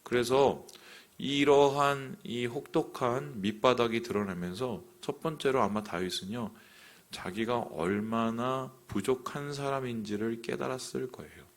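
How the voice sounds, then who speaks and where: A male pastor preaching an early morning sermon, asking the congregation questions and voicing inner thoughts, sometimes dropping very soft. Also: medium pitch, unhurried. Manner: preaching with rhetorical questions and voiced inner monologue.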